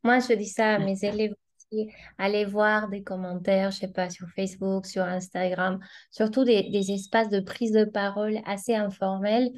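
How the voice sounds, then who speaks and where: Speaking at a normal pace in a mid-range, slightly mellow voice with little pitch movement, this woman is a language teacher whose first language is Spanish. As a guest in a casual talk, she gropes for words thoughtfully, hesitating and restarting often with plenty of fillers.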